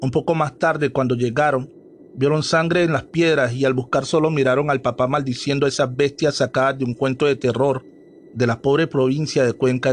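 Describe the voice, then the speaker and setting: A man's voice: mid-range voice, a little hiss or hum. Man narrating a horror story. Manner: dramatic, measured storytelling.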